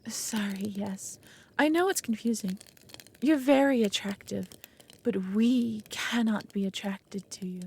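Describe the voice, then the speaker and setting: A woman in a mid-range, darkish voice plays a female dragon in an ASMR roleplay audio drama, one who is anxious, lonely, possessive and awkwardly smitten. Flustered and coy, she delivers earnest, formal lines in a halting way, frequently dropping to breathy half-whispers.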